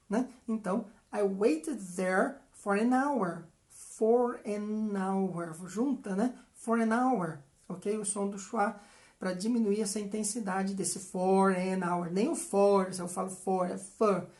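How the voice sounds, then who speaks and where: A woman with a Brazilian Portuguese accent, an English teacher explaining grammar patiently and repeating example sentences slowly. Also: mid-range voice, darkish tone. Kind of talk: explanatory language lesson.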